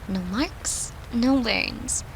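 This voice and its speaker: A woman playing a gentle, devoted girlfriend who soothes her lover in an intimate comfort roleplay, speaking tenderly and reassuringly in a soft, hushed voice. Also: fairly high pitch, drawn-out words, creaky, a little hiss or hum, full character voice, poor audio.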